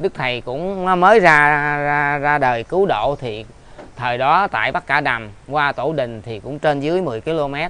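Bright and sharp in tone, a man's fairly high voice moves at a fairly slow pace with ordinary pitch variation, the sound dry with no echo. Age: 60s. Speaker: lay Buddhist preacher. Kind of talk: religious teaching talk. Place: open country. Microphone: lapel.

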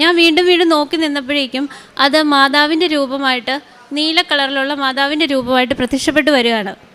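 A woman projects a raised voice at a high pitch. Her loudness stays very even and her intonation is fairly even. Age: 40s. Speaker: church testimony giver, mother. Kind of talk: testimony.

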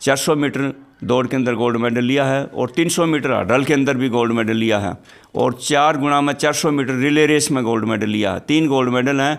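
A man speaks at a fairly slow pace in a medium pitch, with ordinary pitch variation. The background is quiet. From Haryana. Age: 60s. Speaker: retired engineer and masters athlete. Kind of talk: interview. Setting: at home. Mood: proud, earnest. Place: home room. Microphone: handheld.

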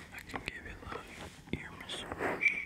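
The voice is whispering. Its pace is moderate. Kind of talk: soft bedtime chat. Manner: soft close-up ASMR murmur. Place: home room. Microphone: camera far.

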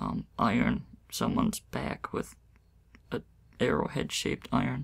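A man is speaking. His voice is soft-spoken. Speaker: ASMR reader. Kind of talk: ASMR soft spoken reading of an old medical book with sarcastic commentary. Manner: soft-spoken, sarcastic. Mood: dry sarcastic commentary.

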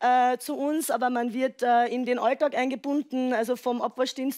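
Against a quiet background, a woman speaks at a moderate pace with a high pitch and a Carinthian accent. Her intonation is monotone and flat. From Austria, Carinthia. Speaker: commune member, association founder; talk show guest. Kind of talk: talk show conversation. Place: studio.

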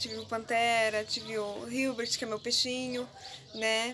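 A high-pitched woman over noticeable background noise. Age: 20s. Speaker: vlogger. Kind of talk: personal vlog monologue. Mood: reflective, personal. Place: home room. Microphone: phone near.

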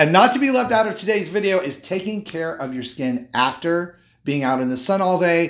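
With an animated tone and very wide pitch swings, a man talks at a high pitch and a moderate pace against a quiet background. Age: 50s. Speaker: skincare YouTuber. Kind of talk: product review tutorial.

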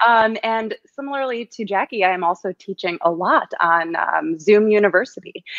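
A woman with an American accent speaks at a moderate pace with hardly any pauses and ordinary pitch variation over a quiet background. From Chicago, US. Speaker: opera singer and former beauty queen; guest. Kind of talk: casual chat. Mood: friendly, smiling. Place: home room.

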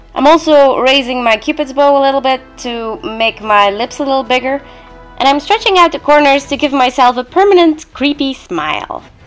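The woman's voice is high, with faint music in the background. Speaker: makeup tutorial maker. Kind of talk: tutorial. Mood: playful, light humor. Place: home room. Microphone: webcam.

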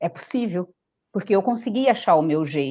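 A woman with lively intonation against a quiet background. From Piracicaba, São Paulo state, Brazil; São Paulo state, Brazil. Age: 40s. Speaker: nutritionist; guest. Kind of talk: interview conversation. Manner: halting, frequent repetitions. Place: home room. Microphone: video call.

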